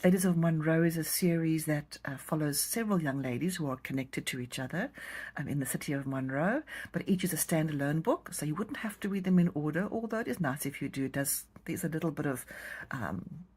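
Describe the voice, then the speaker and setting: Low, husky woman with a South African accent. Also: animated, a little fast. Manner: chatty, warm storytelling of a plot summary. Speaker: romance author. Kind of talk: pitching her new book to camera.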